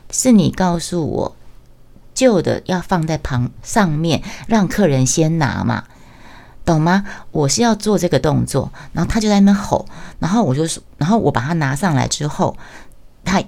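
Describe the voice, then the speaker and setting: A woman's voice: fairly low pitch, vocal fry. A middle-aged woman casually recounting her job, acting out quoted exchanges with sudden raised voices. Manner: animated, acts out quoted lines in raised voice. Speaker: voice worker recounting her tofu stall job. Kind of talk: casual storytelling monologue.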